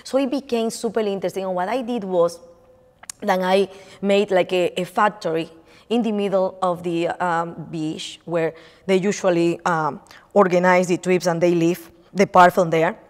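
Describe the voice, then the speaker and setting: A woman's voice: fairly low pitch, fairly even intonation, moderate pace. Woman, Dominican Spanish accent, middle-aged, artist lecture, long hall reverb, room mic from a distance. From Dominican Republic. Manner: chatty, many restarts and fillers, gesturing as she speaks. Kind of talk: lecture on her art. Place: lecture room in front of a projected slide.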